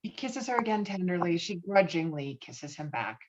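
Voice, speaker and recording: A woman's voice: fairly low pitch, expressive, normal speed, a little hiss or hum. A woman reading scripted stage directions as narrator at a table read, slightly muffled as on a video call.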